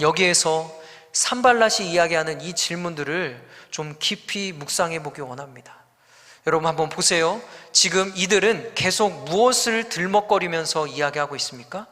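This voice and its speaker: A man with a high, bright voice preaches a sermon, building emphasis and mimicking taunting questions. His voice rings with a long reverb through a church sanctuary. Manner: preaching with rising emphasis, acting out the mocking questions of enemies. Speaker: pastor.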